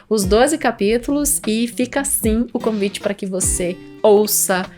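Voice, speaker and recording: A woman's voice: a little high, unhurried, a little mellow, faint music behind. A woman with a Brazilian accent co-hosting a literary podcast, explaining things conversationally with frequent tag questions. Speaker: podcast co-host.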